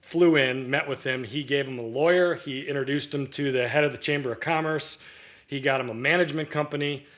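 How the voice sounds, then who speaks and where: A man's voice: mid-range voice, fairly even intonation, a little fast, a bit bright. A man as a podcast guest, a real estate broker, giving a long-winded answer full of stories and restarts. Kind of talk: casual podcast interview.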